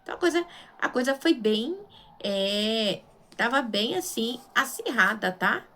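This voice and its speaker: This missionary speaks at a fairly high pitch with a sharp tone, animated yet unhurried. She has a Brazilian Portuguese accent and gives an informal Bible sermon in an emphatic, conversational manner, often asking rhetorical questions and checking in with her listeners.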